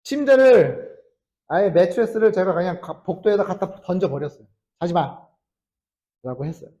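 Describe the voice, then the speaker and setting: A man in his thirties, a Salvation Army officer preaching a sermon, telling a story with acted quotes and swinging from loud to hushed. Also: high-pitched, big pitch swings, brisk.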